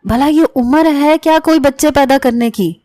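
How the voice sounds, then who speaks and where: A woman's voice: high-pitched, darkish tone, close to an everyday voice. A woman reading the lines of a proud young woman who scolds sharply, in a storybook narration. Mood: indignant.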